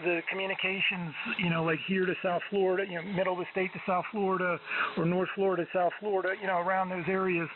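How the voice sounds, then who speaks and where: A man chatting casually as an amateur radio operator, halting and hesitant, over a narrow shortwave radio link. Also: sits high, little pitch movement. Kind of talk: casual on-air radio chat. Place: amateur radio transmission on 40 meters. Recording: tinny narrow-band shortwave radio, noisy static.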